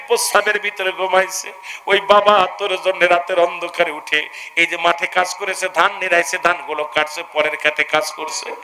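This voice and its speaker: A man preaching a sermon, impassioned and shouting for the crowd to answer back. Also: high voice. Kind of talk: Islamic waz sermon. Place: sermon gathering with an audience. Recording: loud noisy crowd ambience.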